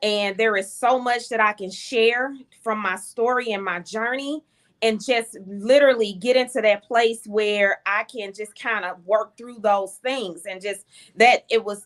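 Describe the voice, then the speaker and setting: A woman with a St. Louis accent speaks at a fairly slow pace in a fairly high pitch, her intonation fairly even while her loudness swings widely. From US Midwest, St. Louis. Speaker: author and small business owner. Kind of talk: casual interview.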